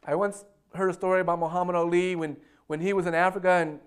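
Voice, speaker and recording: A man preaching a sermon, telling stories with sudden loud bursts and hushed, quiet asides. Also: high-pitched, steady tone, quick pace, clean tone. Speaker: pastor.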